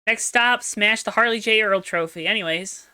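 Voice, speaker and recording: Bright, crisp-voiced young woman chatting. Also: medium pitch, normal speed, dry recording. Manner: chatty, self-deprecating, joking. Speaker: podcast co-host. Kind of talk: casual chat.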